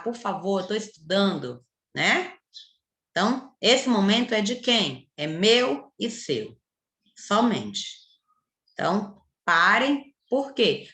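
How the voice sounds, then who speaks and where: A woman's voice: mid-range voice, fairly bright tone. A middle-aged Brazilian woman teaching a recorded primary school video lesson, patient and coaxing, often checking in with her pupils. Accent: Brazilian Portuguese. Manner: patient, repetitive, coaxing with tag questions. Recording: echoey room.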